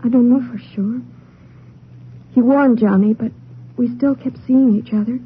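A woman's voice: a little high, fairly even intonation, normal speed, breathy edge. A woman playing an earnest, anxious, lovestruck young Mexican girl in a 1950s radio drama, pleading and emotional. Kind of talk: 1950s American radio melodrama acting. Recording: tinny, noisy vintage radio recording.

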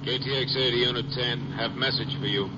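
An actor playing an impersonal, formal police radio dispatcher in a 1950s radio drama. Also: male voice, mid-range voice, steady tone, brisk, lightly acted. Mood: businesslike. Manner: formal, telegraphic. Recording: dull, very noisy car-radio dispatch sound.

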